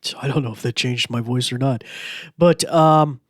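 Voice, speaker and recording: This podcast host has a mid-range voice and a moderate pace, captured dry and at studio quality. He's demoing a gadget in a relaxed, rambling way, leaning heavily on fillers.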